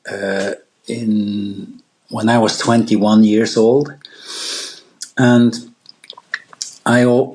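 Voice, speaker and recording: A deep-voiced middle-aged man with a Swiss accent speaks in an unhurried, measured way. He talks as a podcast guest, halting and restarting as he gathers his thoughts. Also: darkish tone. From Switzerland. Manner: halting, with frequent pauses and restarts. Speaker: guest wildlife photographer. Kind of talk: podcast interview, reflective storytelling.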